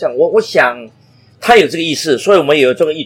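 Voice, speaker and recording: A man's fairly high voice at a very fast pace. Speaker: gallery association chairman. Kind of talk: panel discussion.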